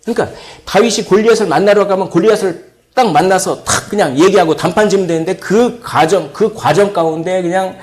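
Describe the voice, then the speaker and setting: A man from South Korea preaching a sermon as pastor, telling the story in a lively way and acting out the characters' dialogue. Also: high-pitched, a little fast. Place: church sanctuary.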